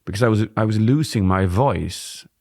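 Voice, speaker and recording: Low gravelly guy in his 40s coaching on a podcast, relaxed, studio mic. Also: normal speed. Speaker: podcast co-host, presentation coach. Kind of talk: casual podcast chat. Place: dim studio with warm lamps. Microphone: studio mic on boom arm.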